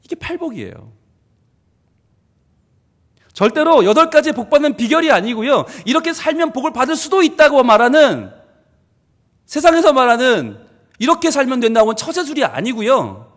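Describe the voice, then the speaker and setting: High-voiced, lively male pastor preaching. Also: moderate pace, pauses often, big-room sound. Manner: animated, playful preaching with laughs and acted-out quotes. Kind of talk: sermon. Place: church sanctuary.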